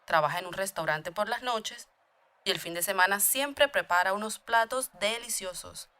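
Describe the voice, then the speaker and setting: Bright woman chatting through lesson lines. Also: mid-range voice, normal speed. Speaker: dialogue reader in a language lesson. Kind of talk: scripted beginner dialogue.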